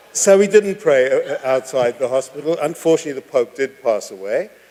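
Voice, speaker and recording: A man at a moderate pace, lively in intonation, against noticeable background noise. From Israel. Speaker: tour guide and speaker. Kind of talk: public talk. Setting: synagogue hall with audience.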